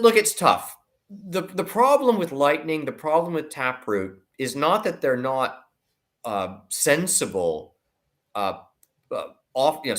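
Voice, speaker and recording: A man giving conversational financial commentary as an analyst, emphatic and deliberate, repeating words as he builds his points. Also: mid-range voice. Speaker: investment analyst, guest commentator.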